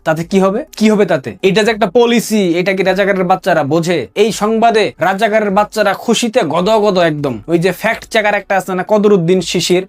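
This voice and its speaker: A male commentator with a high-pitched voice holds forth in a heated political monologue. He taunts his opponents and keeps firing rhetorical questions. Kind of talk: partisan monologue.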